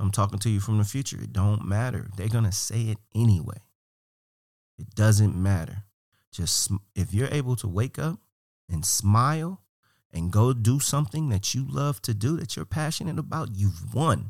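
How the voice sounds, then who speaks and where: A man with an American accent speaks at a moderate pace in a fairly low, somewhat breathy voice with lively intonation, on a very clean recording with a silent background. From US Midwest, Cleveland, Ohio. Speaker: barbershop owner. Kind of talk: interview conversation.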